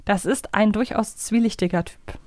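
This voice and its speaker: A woman's voice: mid-range voice, moderate pace, darkish tone, dry recording, clean studio sound. A woman co-hosting a podcast, casually and reflectively explaining her thoughts. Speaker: podcast co-host. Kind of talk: casual discussion.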